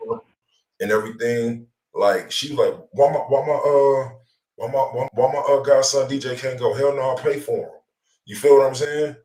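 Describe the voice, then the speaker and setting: A man's voice: medium pitch, steady tone, normal speed, dark tone. A man, hosting an online show in casual, slang-heavy chat. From Los Angeles area. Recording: roomy echo, far from mic.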